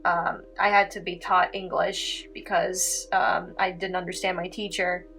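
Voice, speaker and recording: A woman's voice: fairly low pitch, little pitch movement, unhurried, gravelly, fairly bright tone, low-quality recording. A young woman, a native Italian speaker from Canada, chatting casually through a painting tutorial with lots of "like" and "um.". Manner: chatty, heavy filler words, giggly asides. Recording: faint music behind.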